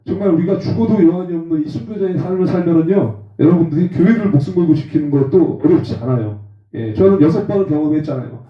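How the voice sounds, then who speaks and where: A man in his forties preaching a testimony sermon, lively and acting out rough quarrels in slang. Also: fairly high pitch. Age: 40s. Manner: animated, acts out rough phone quarrels with slang. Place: church hall. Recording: roomy, distant, dull sound.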